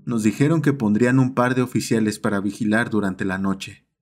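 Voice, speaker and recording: A man's voice: lowish voice, brisk. A man narrating a scripted horror story as the host of the channel. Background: background music.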